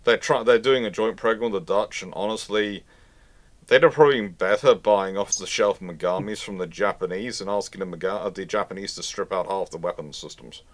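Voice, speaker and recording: A man hosts a live Q&A. He talks off the cuff, wandering through long, halting explanations. His delivery breaks into exasperated asides. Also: low-pitched. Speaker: host of a live naval history question stream. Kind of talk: unscripted live commentary and Q&A.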